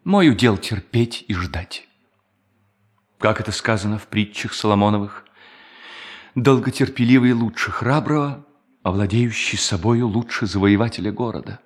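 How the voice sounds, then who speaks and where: An actor playing a bitter, lonely bank thief in hiding, in a theatrical radio play monologue that moves between muttering and solemn declamation. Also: male voice, on the low side, moderate pace, breathy edge. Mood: solemn declaiming. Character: brooding fugitive bank thief, bitter, lonely, self-tormenting man.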